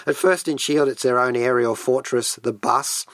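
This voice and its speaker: A man's voice: medium pitch, fairly even intonation, moderate pace, fairly bright tone, no room sound. A man hosting a radio show alone, chatting enthusiastically in a geeky, rambling way with frequent asides. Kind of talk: chatty solo radio monologue. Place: radio studio.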